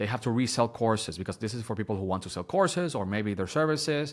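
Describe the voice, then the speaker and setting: With a non-native accent, a man talks at a very fast pace with lively intonation. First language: not English. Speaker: online business coach. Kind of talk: tutorial. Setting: screen-share online course. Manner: casual, with filler words and self-corrections.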